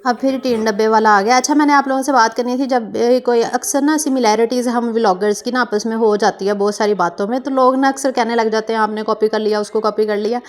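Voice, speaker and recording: Fast and steady, with few pauses and a fairly high pitch, a young woman from Pakistan narrates her cooking vlog. She chats and drifts between thoughts, often using fillers and correcting herself.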